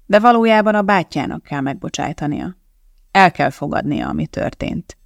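An audiobook reader plays a troubled male scientist in a storybook reading, gentle and earnest, speaking in a gravelly, creaky tone. His voice sits in a middle register. The sound is dry and close to the mic. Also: medium pitch, lively intonation, dry recording.

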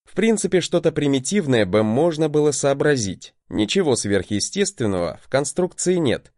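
Man, audiobook narrator, wry first-person telling, animated pitch, dry close sound. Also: moderate pace, no room sound. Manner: wry, conversational.

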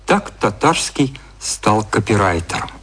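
A man narrating a literary radio play in a measured storytelling style. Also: fairly low pitch, sing-song, fairly bright tone, husky, soft background music, exaggerated voice.

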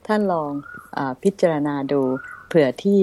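A woman hosting a radio talk show, speaking politely and softly with many courteous particles. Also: deep voice, normal speed, slight background noise. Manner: polite, soft-spoken, frequent polite particles. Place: radio studio.

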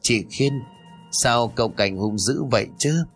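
A man's voice: medium pitch, a little slow, slightly rough, soft background music. A man voicing a frightened, childlike, deranged old village woman who pleads, whimpers and repeats herself. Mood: pouting.

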